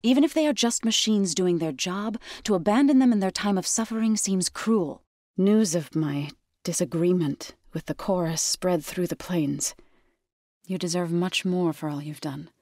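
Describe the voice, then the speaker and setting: A gentle yet resolute tribal warrior woman voiced by an actress for a video game. Her voice sits a little low, and she speaks with measured, earnest solemnity. The sound is close and very dry, as in a studio. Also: no echo, lightly acted. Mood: solemn, reflective. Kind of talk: scripted game character dialogue. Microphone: close studio microphone.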